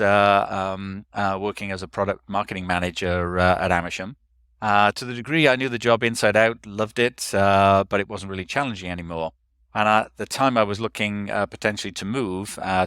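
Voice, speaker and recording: Middle-aged Welsh male podcast guest. Smooth, lowish voice, halting conversational delivery. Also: a bit bright, no echo, studio quality. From Newport, South Wales. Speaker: podcast guest, marketing and sales executive. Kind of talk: conversational career story in an interview.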